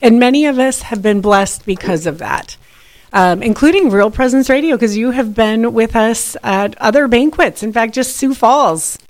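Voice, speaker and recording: A woman's voice: fairly high pitch, normal speed. A woman hosting a Catholic radio talk show, introducing segments and guests in a friendly way with some fillers and restarts. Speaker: radio host and executive director.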